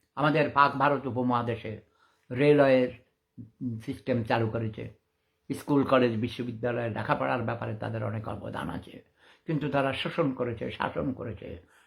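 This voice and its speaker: Vocal fry with fairly even intonation. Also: man, medium pitch for a man. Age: 70s. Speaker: vlogger. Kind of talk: monologue to camera. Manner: halting.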